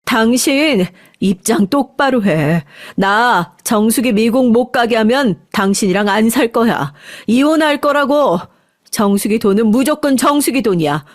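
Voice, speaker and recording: A woman's voice: medium pitch, moderate pace, dry recording, studio quality, close to an everyday voice. A woman voicing a fierce, protective middle-aged mother who stands up for her daughter. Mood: indignant. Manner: shouting, indignant.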